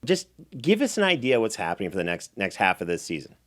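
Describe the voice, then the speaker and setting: Lower-voiced man hosting a podcast. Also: huge pitch swings, quick pace, fairly bright tone. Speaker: podcast host and producer. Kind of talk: casual podcast hosting and interviewing.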